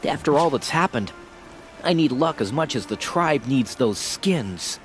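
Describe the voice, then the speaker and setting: Expressive, nervous tribal hunter played by a man. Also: mid-range voice, measured pace, soft background music, natural voice. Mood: defensive. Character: proud but nervous tribal hunter, superstitious. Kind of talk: video game dialogue acting.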